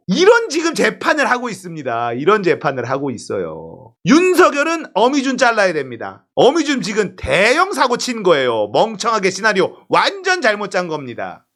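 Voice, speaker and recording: Man, political commentary host, scornful and heated, rhetorical questions, animated pitch.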